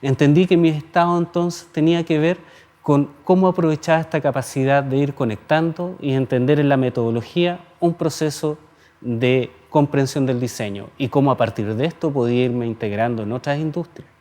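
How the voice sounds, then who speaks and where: A Chilean designer in his forties giving a reflective personal talk, speaking in a measured way and stacking up lists of phrases. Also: mid-range voice, darkish tone. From southern Chile.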